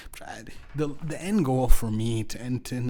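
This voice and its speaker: A man with a Canadian prairie accent talks at a moderate pace in a dark, mellow tone. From central Canada. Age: 20s. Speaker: podcast host. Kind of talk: casual monologue. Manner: halting.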